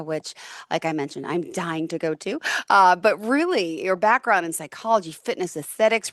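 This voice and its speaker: A woman's voice: medium pitch, fairly bright tone, no echo, studio quality. A woman hosting a podcast interview, introducing her guest with enthusiasm. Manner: enthusiastic, effusive. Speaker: podcast host.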